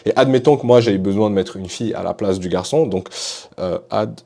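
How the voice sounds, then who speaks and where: Fast-talking enthusiastic man demoing apps. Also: on the low side, gravelly, dark tone. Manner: enthusiastic, casual. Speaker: tech YouTuber. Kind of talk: app tutorial.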